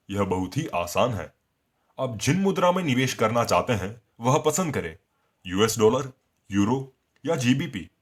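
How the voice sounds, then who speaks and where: A man reads a scripted corporate explainer in a measured, explanatory way. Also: medium pitch, slightly rough. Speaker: voice-over narrator.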